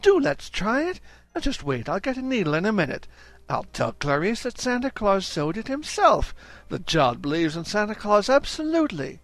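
A man's voice: sits high, big pitch swings, moderate pace, no room sound, voice pushed up. A man voicing a chatty, enthusiastic society mother in a read-aloud story.

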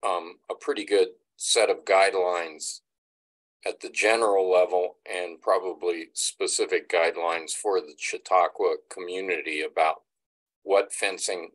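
An older man speaking in a halting, thoughtful way with frequent ums, commenting at a public meeting on a video call from home. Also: deep voice, steady tone, low-quality recording. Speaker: board member. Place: home room, indoors.

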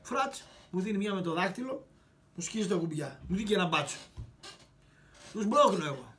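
An older man telling a personal story as a show host, swearing freely and acting out quarrels in sharp bursts. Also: high-pitched, expressive. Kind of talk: angry storytelling monologue.

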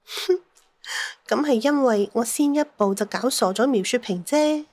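A woman's voice: a little high, unhurried, darkish tone. A woman playing a shrewd, jealous, sentimental middle-aged mother in an audio drama, with plaintive, theatrical sighs. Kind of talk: Cantonese audio drama acting.

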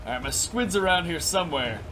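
A young man in his twenties doing energetic, crude gameplay commentary in a small room, his voice raspy because he just woke up. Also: fairly high pitch, fairly quick, soft background music. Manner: energetic, crude, rambling with lots of "like". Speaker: gaming YouTuber. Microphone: headset.

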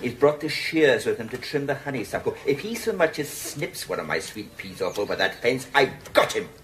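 A man's voice: medium pitch, sing-song, moderate pace, fairly bright tone. An actor playing a grumpy husband in his sixties, grumbling indignantly and sarcastically about his neighbour in a sitcom. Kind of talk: sitcom acting. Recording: noisy old TV broadcast audio.

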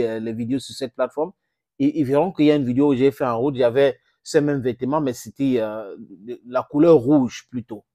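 A middle-aged man whose first language is English, giving impassioned direct-to-camera political commentary on a lapel mic, with sudden jumps in pitch for emphasis. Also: a little mellow, no room sound, studio quality. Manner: impassioned, gesturing, addresses viewers as friends, pitch jumps for emphasis. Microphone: clip-on lapel mic.

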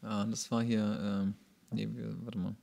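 A man's voice: fairly low pitch, little pitch movement, a little slow, vocal fry, dark tone. Male podcast co-host, casual and jokey, slangy sarcastic running commentary. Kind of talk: casual banter, commenting on a TV show.

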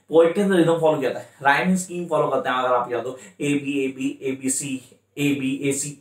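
A man with an Indian accent gives an exam-prep lesson, drawing out his English phrases slowly and circling back to the same points. His voice sits a little high for a man. The room around him rings with echo. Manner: repetitive, coaching, slows right down for English phrases. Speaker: tutor. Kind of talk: exam-prep lecture in mixed Hindi and English. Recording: echoey room.

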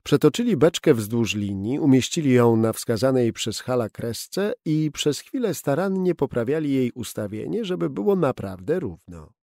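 Brief: male audiobook narrator, warm gravelly voice, dry close studio sound. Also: mid-range voice, normal speed, hardly any pauses, dry recording. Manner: steady, expressive storytelling. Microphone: close studio mic.

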